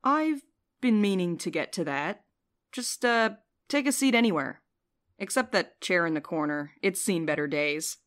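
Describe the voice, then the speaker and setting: A woman acts a jaded young female courier in a fiction podcast. Her voice sits on the low side and sounds weary. She speaks with dry sarcasm. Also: expressive, moderate pace, fairly bright tone. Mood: wry, weary. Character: jaded, sardonic, sleep-deprived young woman courier named Val. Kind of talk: audio fiction podcast acting.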